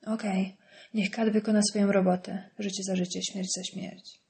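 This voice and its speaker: A woman's voice: medium pitch, flat delivery, normal speed, vocal fry, warm tone, close to an everyday voice. A woman voicing a grieving, angry young male prisoner in an audiobook, speaking curtly and harshly. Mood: grim. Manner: curt, harsh.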